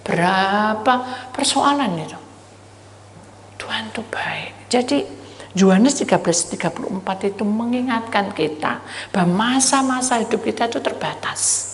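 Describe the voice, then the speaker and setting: A woman's voice: medium pitch, lively intonation, a little slow, slight background noise. A woman pastor preaching a sermon, telling stories animatedly and dropping suddenly into whispers. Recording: reverberant hall, faint ambience.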